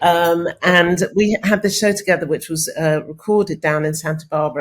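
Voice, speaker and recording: A woman's somewhat breathy, fairly low voice in a British accent, with ordinary pitch variation at a moderate pace. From England. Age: 50s. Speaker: coach and hypnotherapist. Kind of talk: interview conversation. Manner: serious; some stammering.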